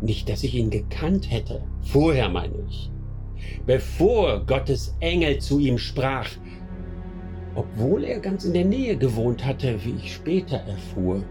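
An actor playing a young medieval eyewitness narrating gravely and deliberately in a radio play. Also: male voice, medium pitch, very animated, dark tone. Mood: grave, brooding. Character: sixteen-year-old medieval eyewitness recounting a crusade, grave. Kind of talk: scripted first-person narration in a German radio play. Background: clearly audible music.

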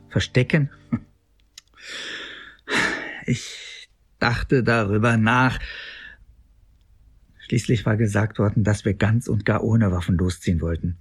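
Radio play monologue: young pilgrim crusader, earnest, hesitant, slightly low voice over soft music. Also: male voice, creaky, husky, exaggerated voice. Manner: musing, hesitant, self-questioning. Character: earnest young medieval crusader, proud but unsure.

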